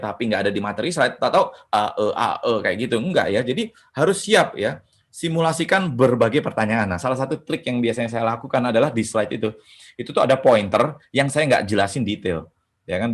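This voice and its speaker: A man's voice: fairly low pitch, a bit bright. A man mentoring at an online hackathon, giving casual presentation advice. He keeps adding "ya kan" and "gitu" and slips English phrases into his sentences. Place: home setup for an online session. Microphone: video call.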